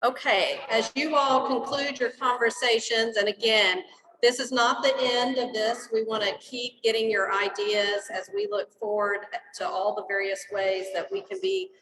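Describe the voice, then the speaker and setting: A woman's voice: on the high side, normal speed, a bit bright. Woman giving instructions in an echoey hall. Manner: organized, directive. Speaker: meeting facilitator. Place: meeting hall. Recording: echoey hall, mic held at a distance.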